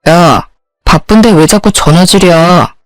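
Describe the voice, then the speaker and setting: A woman's voice: fairly low pitch, a little slow, no room sound, faint music behind, close to an everyday voice, rough recording. A woman voicing a rude young husband who brushes his wife off curtly. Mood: irritated. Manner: curt, brushing off.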